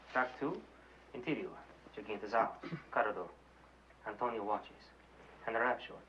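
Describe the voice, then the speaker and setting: A man's voice: on the low side, noisy background, natural voice. An actor playing a man who reads out screenplay stage directions in clipped, matter-of-fact phrases, in muffled film audio. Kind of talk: scripted reading of stage directions.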